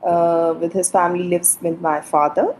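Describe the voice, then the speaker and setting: A middle-aged woman doctor from Pakistan, explaining things in short, halting fragments in a casual video-call interview. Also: lowish voice, fairly even intonation, a little mellow, a little hiss or hum, poor audio. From Pakistan, Punjab. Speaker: guest, medical doctor.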